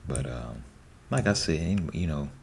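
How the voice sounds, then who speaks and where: A man giving a soft-spoken ASMR ramble, breathy and often near a whisper, informal and repeating himself, close to the microphone. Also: rumbling low, animated, measured pace. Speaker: ASMR host. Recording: faint background noise.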